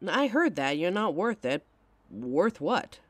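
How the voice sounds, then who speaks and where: A woman's voice: on the low side, big pitch swings, slow, no echo, exaggerated voice. Woman doing a caring girlfriend talking right to you, close mic, dry sound, voice swings up and down a lot. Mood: tender, reassuring. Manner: speaks straight to the listener, intimate and emotional. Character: devoted young adult girlfriend, caring and direct. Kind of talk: audio roleplay for a listener.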